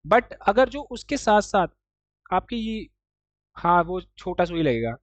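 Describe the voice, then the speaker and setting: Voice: mid-range voice, sing-song, slow, no room sound. A teacher in an online class explaining Japanese writing step by step, mixing English words into the talk and often checking that the listener follows.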